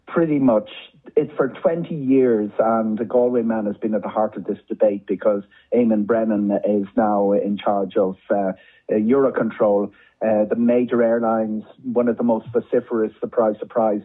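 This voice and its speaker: A man's voice: lowish voice, steady tone, moderate pace, narrow, tinny audio. A man with an Irish accent, a travel journalist giving conversational, discursive commentary as a guest, often repeating words for emphasis.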